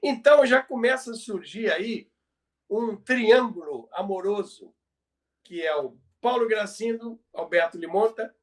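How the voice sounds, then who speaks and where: Brazilian male co-host, high-pitched, conversational storyteller with halting, repetitive phrasing. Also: expressive. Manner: halting, repeats words for emphasis. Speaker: podcast co-host. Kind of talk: conversational storytelling about radio history.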